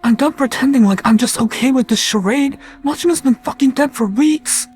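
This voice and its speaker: A man's voice: very high-pitched, a little fast, a little mellow, soft background music. A synthetic voice playing an angry man who swears, turns hostile, and cuts others off. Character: furious laid-back man turned armed, confrontational.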